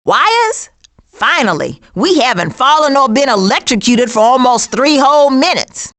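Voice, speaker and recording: This full character voice for a video game is a sassy female cartoon skunk with an American accent, pitched high and swinging in lively, animated ways at a measured pace. She's cranky, folksy, and dry-witted with streetwise sarcasm, her mood moving from excited and urgent to dry and sardonic.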